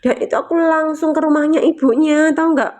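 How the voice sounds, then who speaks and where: A woman's voice: high voice, steady tone, brisk, darkish tone. A woman telling a personal story to listeners, emotional and casual, often checking in with them. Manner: emotional, keeps asking listeners "you know?". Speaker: motivational storyteller.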